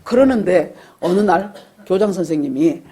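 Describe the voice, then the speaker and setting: A woman's voice: fairly low pitch, expressive, normal speed, warm tone. A woman pastor preaching a sermon at a church service, telling stories and acting out the people in them. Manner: storytelling, acting out quoted dialogue.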